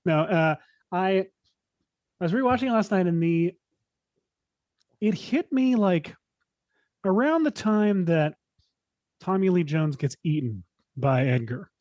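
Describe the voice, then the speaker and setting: A younger man with a fairly high voice talks as a podcast guest, recorded close and dry. He rambles enthusiastically, peppering his sentences with fillers. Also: lively intonation, a little slow, long pauses, a little mellow, no room sound, lo-fi sound. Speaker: guest filmmaker. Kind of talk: casual interview chat.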